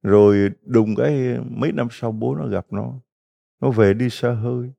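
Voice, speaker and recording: Middle-aged priest preaching a retreat homily, gravelly low voice, mellow tone, chatty stories. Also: male voice, unhurried. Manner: folksy, storytelling, rhetorical questions to the congregation. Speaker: Catholic priest.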